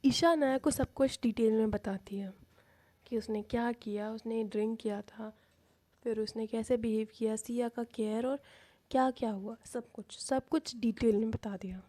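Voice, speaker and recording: A woman's voice: a little high, fairly even intonation, normal speed, dark tone. A woman narrating a love story in a casual, chatty way.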